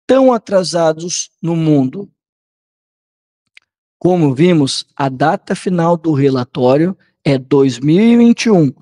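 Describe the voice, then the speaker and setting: A Brazilian man hosting political commentary, reading aloud and commenting in a halting, conversational way that often seeks the listener's agreement. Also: a little high, a little mellow. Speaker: host of a political commentary channel.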